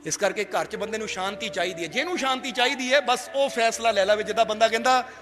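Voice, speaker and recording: A man's voice: high voice, fast talker. A man from Punjab, India, preaching a sermon with homely examples, repeating key phrases and asking his listeners questions. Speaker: spiritual preacher. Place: large hall of a religious gathering. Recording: long hall reverb with faint music.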